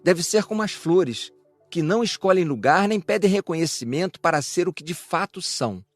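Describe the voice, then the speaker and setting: Male reader, slightly high voice, declamatory spiritual narration, music bed behind. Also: animated, moderate pace, dry recording. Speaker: audiobook reader of a spiritual lecture. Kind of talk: scripted narration, reflective religious discourse.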